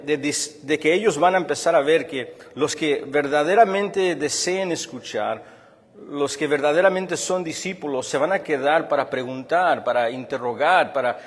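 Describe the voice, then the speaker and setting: Man, pastor, sermon, slightly high voice, earnest explaining, frequent restarts, reverberant church hall. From Chicago.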